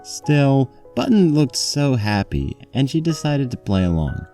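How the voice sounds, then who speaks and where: A man's voice: medium pitch, big pitch swings, measured pace, dark tone, faint music behind. A man reading a scripted story aloud as its narrator.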